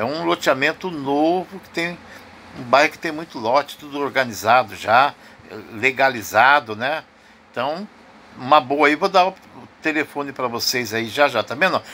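A man at a moderate pace with ordinary pitch variation, long, frequent pauses and big swings in loudness. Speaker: local narrator showing neighborhood. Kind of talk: casual vlog chat. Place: street. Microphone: phone near.

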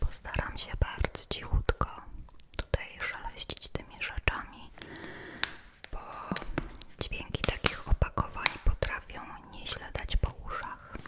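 A woman whispers, soft-spoken, at a very slow pace. Her long pauses come often. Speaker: product reviewer. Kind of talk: soft-spoken product review. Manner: soft ASMR whisper close to mic. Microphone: studio mic.

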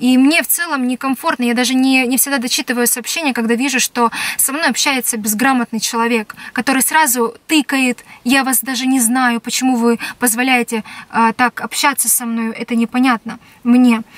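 A woman's high-pitched voice, fairly even in intonation, at a moderate pace, with a dry sound and no echo. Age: 20s. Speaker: beauty blogger and salon owner; beauty blogger. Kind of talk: casual vlog monologue. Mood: earnest, slightly indignant. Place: car. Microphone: phone near.

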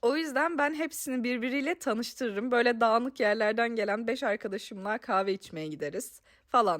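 A woman talks at a fairly quick pace with hardly any pauses, her fairly high pitch carried by lively intonation. The recording is very clean, with a silent background. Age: 20s. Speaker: podcast host, student. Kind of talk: personal monologue podcast. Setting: home bedroom under a duvet. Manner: intimate, chatty.

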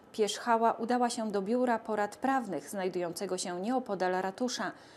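The speaker has an ordinary speaking voice, with ordinary pitch variation and a moderate pace. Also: woman, hardly any pauses. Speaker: TV news reporter. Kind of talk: scripted narration.

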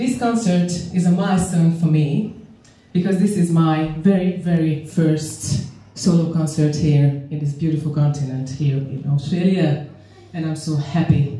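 A woman speaks in a very deep, low pitch with ordinary pitch variation. Her pace is fairly slow, and audible room echo can be heard. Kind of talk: stage talk to audience. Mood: warm, grateful, playful. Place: hall.

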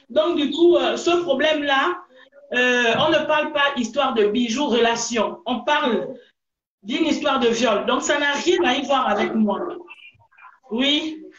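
Over light background noise and audible room echo, a woman with a high voice and ordinary pitch variation talks at a very slow pace, leaving long, frequent pauses. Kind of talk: testimony. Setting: online live stream. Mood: defiant, indignant. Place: home room. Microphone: video call.

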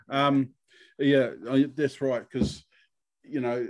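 A man with a New Zealand accent speaks at a fairly slow pace in a medium pitch, on a very clean recording with a silent background. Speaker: podcast host. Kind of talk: casual interview.

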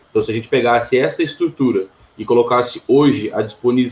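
The man's fairly even intonation comes through with audible room echo. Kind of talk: interview answer. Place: home room. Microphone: earbuds.

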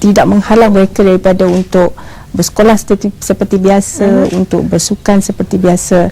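A woman talks at a fairly quick pace in a monotone, flat intonation with very even loudness. Noticeable background noise sits behind her. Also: medium pitch for a woman. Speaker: dermatologist. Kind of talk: TV health interview.

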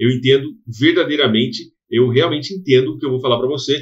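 His somewhat breathy voice moves at a moderate pace, and this man's pitch variation is ordinary. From Brazil. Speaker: trading educator. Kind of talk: tutorial. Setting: screen-share video recording. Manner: casual, conversational. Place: home room. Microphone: headset.

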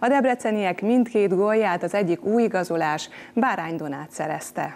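At a moderate pace, a woman speaks with ordinary pitch variation. Her pitch sits in the medium range. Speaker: TV sports news presenter. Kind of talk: news reading. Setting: studio. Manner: formal. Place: studio.

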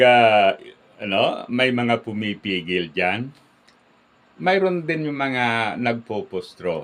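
Speaking at a very slow pace, this man's pitch swings very widely. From Philippines. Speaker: YouTube political commentator. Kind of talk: solo vlog commentary. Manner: halting, many fillers.

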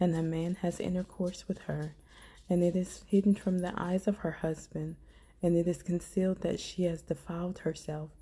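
On a very clean recording with a silent background, a woman with a fairly low pitch speaks at a moderate pace in a dark, mellow, somewhat breathy voice with monotone, flat intonation. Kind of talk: scripture reading.

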